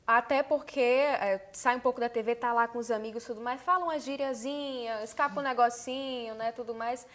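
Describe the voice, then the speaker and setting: A young adult woman journalist chatting on a TV talk show in a poised, measured announcer manner. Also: a little high, fairly even intonation, a bit bright. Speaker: TV and radio journalist. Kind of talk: casual TV talk show chat.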